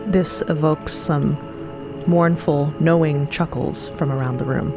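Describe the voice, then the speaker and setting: A woman narrating a scripted audio drama in a solemn, measured manner. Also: deep voice, steady tone, over music.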